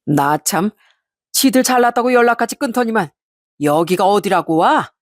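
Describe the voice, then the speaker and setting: A woman putting on a scornful uncle in his sixties, pitched a little high and sharp-edged, who sneers at everyone around him. The story is told close to the mic with a dry sound. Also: expressive, moderate pace, no room sound, lightly acted. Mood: sneering. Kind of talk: audio story narration.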